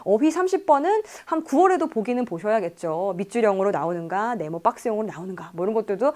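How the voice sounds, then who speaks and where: A woman English teacher with a Korean accent, explaining an exam passage in a lively lecture and reading English lines aloud. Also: mid-range voice, fast talker. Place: lecture studio.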